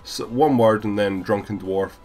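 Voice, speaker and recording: A man with a deep voice and a cold, rambling casually through a gameplay voiceover with many fillers. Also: moderate pace, darkish tone. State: has a cold, stuffy. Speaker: gaming YouTuber.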